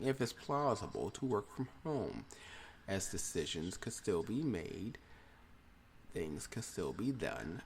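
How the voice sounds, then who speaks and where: Gravelly, animated male podcast host. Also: lowish voice, a little hiss or hum. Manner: chatty, rambling, opinionated. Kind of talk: casual solo podcast monologue.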